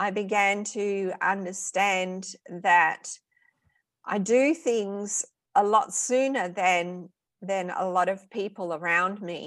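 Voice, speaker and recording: A woman's medium-pitched voice in an Australian accent, at a very slow pace with ordinary pitch variation. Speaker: spiritual channel and sound healer. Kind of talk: interview. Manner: halting.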